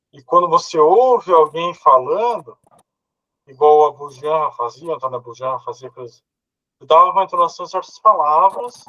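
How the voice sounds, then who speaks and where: Brazilian man, slightly high bright voice, dry close sound, hesitant casual reasoning. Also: no room sound, dull audio. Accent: Brazilian Portuguese. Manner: thinking aloud, hesitant with fillers and laughs. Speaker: philosophy study group participant. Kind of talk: casual discussion.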